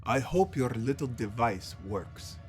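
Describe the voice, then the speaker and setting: A man's voice: mid-range voice, expressive, unhurried, lightly acted. A man voicing a cautious, skeptical alien statesman in a sci-fi audio drama, formal and grave, with music behind. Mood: grave, cautioning.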